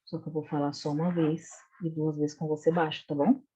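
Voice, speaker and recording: A woman's voice: low-pitched, fairly quick, muffled recording, background noise. A middle-aged woman leading an online study group, telling a story casually and acting out the dialogue. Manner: animated storytelling, acts out the dialogue she retells.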